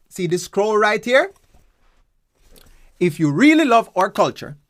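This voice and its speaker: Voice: mid-range voice, a bit bright. A speaker, reading a prepared statement in a mock-formal comic style.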